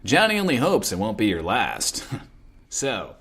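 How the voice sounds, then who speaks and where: An actor playing a self-absorbed post-apocalyptic radio host in a comedy, with showy, sardonic, mock-boastful patter. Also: male voice, lowish voice, wildly swooping pitch, unhurried, fairly bright tone, husky, exaggerated voice. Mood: smug, wry. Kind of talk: comedic audio drama radio DJ acting.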